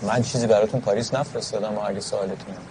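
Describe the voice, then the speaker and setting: An actor playing a man who needles a grieving woman in film dialogue, flat and then defensive. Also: lowish voice, close to an everyday voice. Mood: needling. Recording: film audio with clear outdoor noise.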